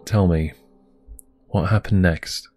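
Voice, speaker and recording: A very low, mellow male voice from an actor plays a calm interviewer in a radio drama. He probes in a measured, clinical way, with music faintly behind him. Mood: calm, probing. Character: calm, probing male interviewer questioning a distressed witness. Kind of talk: audio drama dialogue.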